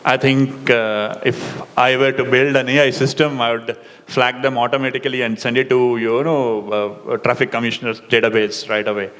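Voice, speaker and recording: Male panelist, South Indian accent, thinks aloud haltingly, mid-range voice, recorded in a big echoing hall. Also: medium pitch, fairly even intonation, fairly bright tone. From Karnataka, India. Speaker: symposium panelist. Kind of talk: on-stage rapid-fire interview answers. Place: large indoor hall with audience. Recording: echoey hall, noisy room sound.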